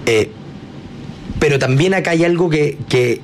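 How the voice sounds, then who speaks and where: A man's voice: on the high side, measured pace, slight background noise. A Chilean man hosting a political talk show, giving his opinions in a conversational tone. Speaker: show host.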